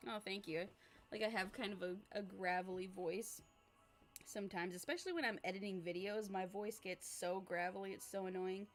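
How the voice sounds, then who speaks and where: A young woman livestreaming as an art creator, chatting casually and answering viewer comments while she sketches, with a relaxed, rambling manner. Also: medium pitch, normal speed, soft background music. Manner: frequent fillers and laughs, relaxed.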